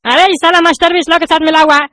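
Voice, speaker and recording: A woman's voice: very high voice, steady tone, very fast, fairly bright tone, a little hiss or hum. Woman voicing a cheeky bald student who talks back. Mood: argumentative. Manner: argumentative, stumbling through reading.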